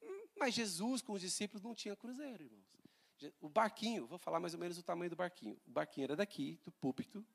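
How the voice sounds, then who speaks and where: A male pastor, preaching a sermon in a church in an animated, conversational way, with humor and rhetorical questions. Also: high voice, fast talker, creaky, slightly rough.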